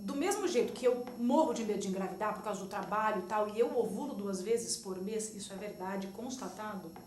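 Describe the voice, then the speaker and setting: A woman talks in a room with audible echo, and noticeable background noise can be heard. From São Paulo state interior (Ribeirão Preto region). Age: 30s. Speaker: journalist and radio broadcaster. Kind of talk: interview. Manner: fast.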